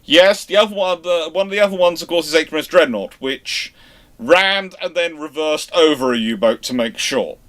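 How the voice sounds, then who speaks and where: A man hosting a livestream, chatting casually as he answers listener questions in an animated storytelling way. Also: a little high, moderate pace. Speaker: host of a naval history livestream.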